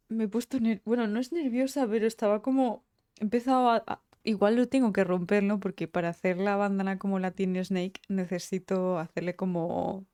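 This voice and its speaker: A woman's voice: medium pitch, fairly even intonation, normal speed, warm tone, no room sound. A woman with a Spain Spanish accent chatting casually on a live stream, teary after crying, emotional and rambling and swearing freely. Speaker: game streamer.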